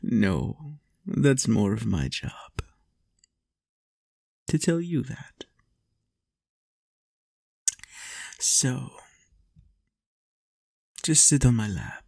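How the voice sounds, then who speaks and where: A lonely vampire lord, acted by a man speaks in an intimate, soothing monologue. His pace is very unhurried and his tone coaxing and playful, recorded close and dry. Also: mid-range voice, big pitch swings, vocal fry, darkish tone, dry recording, exaggerated voice. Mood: playful, tender. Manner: soothing, unhurried, lapses into whispers and chuckles. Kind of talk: intimate roleplay monologue to the listener.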